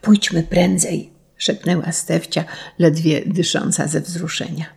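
A woman reads a children's storybook aloud with steady, expressive pacing. Her voice sits low and sounds husky and gravelly, with plenty of fry. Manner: measured, expressive reading. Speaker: audiobook narrator. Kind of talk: scripted narration of a children's story.

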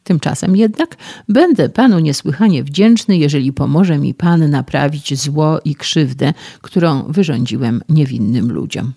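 Man reading a young man, frantic and indignant, raised and gravelly, for an audiobook. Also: fairly high pitch, measured pace, no room sound, studio quality, heavily acted. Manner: shouting indignantly, complaining. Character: agitated young man, injured and frightened.

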